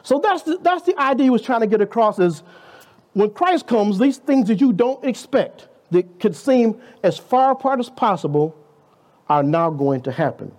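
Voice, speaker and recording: A man's voice: high voice, expressive, moderate pace, darkish tone. A man in his fifties preaching a conversational sermon in a church, full of rhetorical questions and playful asides. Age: 50s. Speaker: guest preacher.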